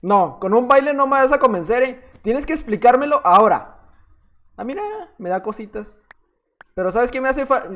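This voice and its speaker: A man's voice: very high voice, expressive, normal speed, a bit bright. A man with a Mexican accent giving playful, teasing gameplay commentary as a gaming YouTuber. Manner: playful, teasing, jokey banter.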